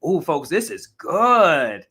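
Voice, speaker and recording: This live talk show host's voice sits on the high side and is slightly hoarse, and he speaks slowly. He chats casually, responds to viewer comments, and keeps his delivery animated while frequently correcting himself.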